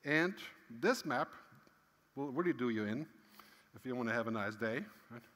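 A man's voice: medium pitch, animated, normal speed, fairly bright tone. A middle-aged man giving a conference keynote on a large stage, talking in a conversational way with frequent "right?" tags and emphatic swings. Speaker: keynote speaker. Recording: long hall reverb.

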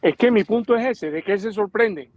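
A man's voice: high-pitched, normal speed, darkish tone, no room sound, dull audio. A man on a video call panel, provocative and combative. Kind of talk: heated talk show commentary.

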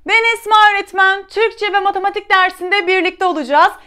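Very high-pitched teacher lady from turkey, slow clear letter-by-letter lesson for little kids. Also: bright, forceful tone. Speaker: primary school teacher. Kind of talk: children's lesson.

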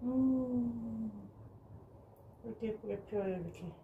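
A woman's voice: mid-range voice, unhurried, phone-quality sound, a little hiss or hum. Gushing woman showing off her balcony flowers. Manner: gushing and admiring, with soft sighs. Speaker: gardening vlogger. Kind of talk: casual narration while showing plants. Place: home balcony garden.

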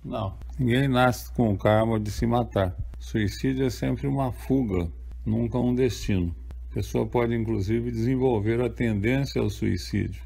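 An older Brazilian man speaks in a calm, explanatory way with a gravelly, creaky edge to his voice. His pitch sits in an ordinary middle range for a man, and he answers questions as an author. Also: moderate pace. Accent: Brazilian Portuguese. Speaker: author interviewed. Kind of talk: measured spoken answers.

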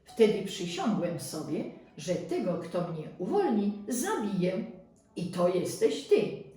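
A woman's voice: mid-range voice, sing-song, slow pace, warm tone. A woman voicing a huge vengeful male spirit trapped in a bottle, menacing and then pleading, heard in a very echoey room from some distance.

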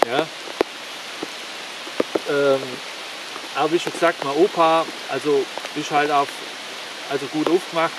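A man in his forties talking casually to camera in a forest, rambling and halting. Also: fairly even intonation. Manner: rambling, halting with many fillers; louder and higher while demonstrating strikes. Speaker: martial arts YouTuber. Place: forest, outdoors. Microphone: camera on the ground, several meters off. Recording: distant camera mic with rain hiss.

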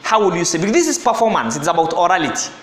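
A man's voice: high-pitched, big pitch swings, rapid-fire, slight background noise. A man teaching an exam-prep lesson, explaining step by step and often repeating and correcting himself. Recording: echoey room.

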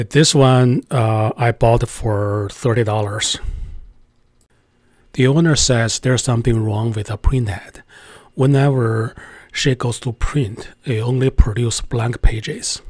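A man talks through a casual tutorial in a chatty, hesitant voice full of filler sounds. His voice sits at an ordinary middle pitch. The sound is dry and close, with no room echo. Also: a little mellow. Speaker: tech channel host.

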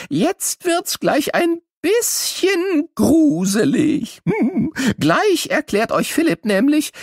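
An actor playing an excitable, playful elderly cartoon scientist who stumbles over words as he teaches children in an educational audio drama. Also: extremely high pitch, no room sound, studio quality, exaggerated voice. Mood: excited, playful.

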